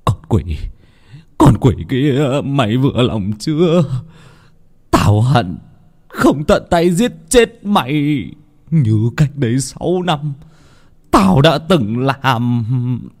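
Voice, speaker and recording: A man's voice: mid-range voice, sing-song, slow pace, darkish tone, voice pushed up, exaggerated voice. A man voicing a grieving father in a horror story, cursing through tears. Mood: grief-stricken rage. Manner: broken, tearful cursing. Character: grieving father, tearful and furious.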